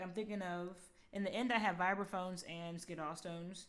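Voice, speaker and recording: Recorded with audible room echo, a woman of medium pitch speaks with fairly even intonation. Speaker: video game music composer streamer. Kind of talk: casual livestream commentary while composing. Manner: fast; halting, self-correcting.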